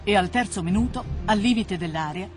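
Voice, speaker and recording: A woman's voice: mid-range voice, a little fast. Woman narrating over prominent music. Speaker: documentary narrator. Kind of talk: scripted narration.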